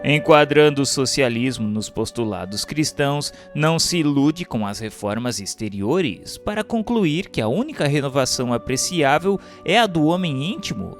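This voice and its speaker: Solemn Brazilian male narrator over music. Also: mid-range voice. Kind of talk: solemn scripted narration of a religious text.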